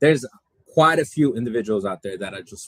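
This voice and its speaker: Over a dry, close sound with no echo, a man talks at a fairly quick pace with lively intonation. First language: not English. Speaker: financial education livestream host. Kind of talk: live stream talk. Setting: live stream on Facebook and YouTube. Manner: casual, repetitive with fillers.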